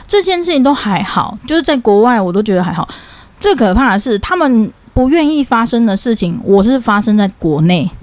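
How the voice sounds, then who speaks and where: A man's voice: high-pitched, big pitch swings, fairly quick, dry recording. A man, co-hosting a casual podcast chat and telling stories animatedly, acting out the quoted dialogue. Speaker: podcast co-host.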